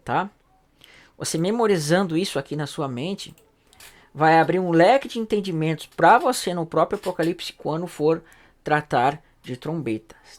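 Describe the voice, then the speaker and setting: A man, a pastor teaching a recorded Bible study. He explains patiently, asks rhetorical questions and keeps checking in with tag questions. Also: fairly high pitch. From Brazil.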